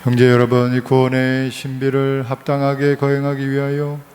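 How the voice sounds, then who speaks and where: A man's voice: medium pitch, completely flat delivery, normal speed, darkish tone, a little hiss or hum. A man speaking as a priest, reciting the liturgy of a Catholic Mass in a church.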